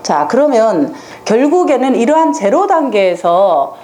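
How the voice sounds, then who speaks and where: A woman's voice: on the high side, big pitch swings, measured pace, mellow. A woman giving a live lecture to parents in a room with an audience, often putting questions to them. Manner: asks the audience frequent rhetorical questions. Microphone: hand or stand microphone with some room ring.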